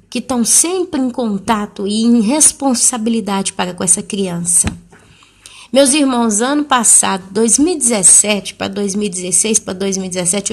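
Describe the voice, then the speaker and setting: Animated woman telling a church testimony. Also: mid-range voice. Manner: animated, acting out the people she quotes. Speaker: church speaker giving a testimony. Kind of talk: storytelling testimony to a congregation.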